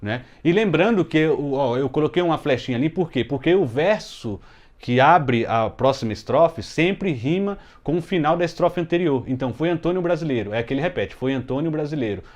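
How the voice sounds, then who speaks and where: A man from Brazil teaching a casual music lesson at home, explaining step by step with frequent "né?" tags and slowing down to scan verses syllable by syllable. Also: on the high side, animated. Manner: explains step by step, many "né?" tags, slow deliberate scanning of verses. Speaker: music teacher, channel host. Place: home room with closed window, children heard outside.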